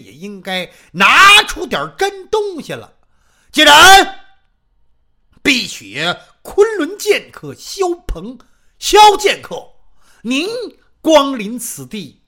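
A storyteller voicing a burly, boastful mountain guardian with a loud, hollow, booming voice who declaims and blusters. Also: heavily acted. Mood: declaiming. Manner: blustering, declaiming, laughs heartily.

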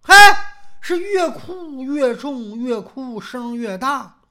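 A woman tells a traditional martial tale in an animated performance, dropping jokey asides to the listeners. Her voice is bright and forceful. Her pitch leaps widely from line to line. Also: slow. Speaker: storyteller.

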